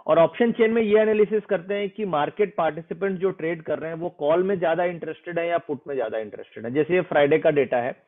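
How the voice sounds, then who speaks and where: A man explaining a trading method in an interview, earnest and persuasive, slipping English phrases into his speech. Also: on the high side. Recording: tinny phone-like sound.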